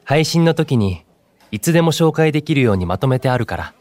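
Man acting a kind, lively-toned young idol. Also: medium pitch, fairly quick, no echo, natural voice. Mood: helpful. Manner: soft-worded, friendly, encouraging senior. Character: kind, composed young male idol and senior streamer. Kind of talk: Japanese audio drama acting.

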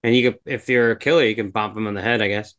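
A man's voice: on the low side, fairly even intonation, fast, fairly bright tone. A man co-hosting a podcast in casual chat, rambling loosely and swearing now and then. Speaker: podcast co-host.

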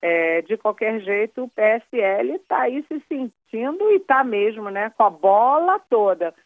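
A woman's voice: a little high, big pitch swings, unhurried, no echo. A Brazilian woman calling in to a radio news show, explaining politics in a chatty, conversational way with frequent fillers. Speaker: political commentator. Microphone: phone call. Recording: tinny phone line.

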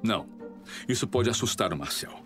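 A grave police detective from an audio drama, acted out by a man, very low in pitch. His delivery is deliberate yet swings widely in intonation, resolute and daring, with music playing clearly behind him. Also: lively intonation, natural voice. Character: determined, daring male police detective Afonso.

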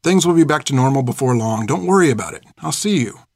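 A man voicing a calm, gentle young man who speaks soothingly. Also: medium pitch, fast talker, no echo, clean studio sound.

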